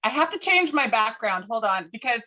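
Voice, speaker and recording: Bright kinda high woman's voice chatting on a video call, audio a bit dull. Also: very animated, a little fast. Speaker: actor and narrator in a table read. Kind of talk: casual chat.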